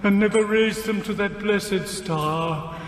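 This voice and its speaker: A mournful high-voiced ghost in cavernous reverb. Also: male voice, takes it slowly. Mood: anguished lament. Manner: solemn, lamenting, declamatory. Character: mournful ghost of a dead businessman in chains. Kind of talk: radio drama acting. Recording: cavernous long reverb, background noise.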